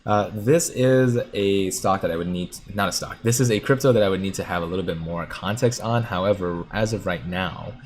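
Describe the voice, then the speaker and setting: A man with a low, deep voice runs a casual livestream from his home setup. He reads viewer comments aloud, laughs often and muses out loud while he talks. A faint room hum sits under his voice. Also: a little fast, hardly any pauses. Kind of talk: casual livestream chat about stocks.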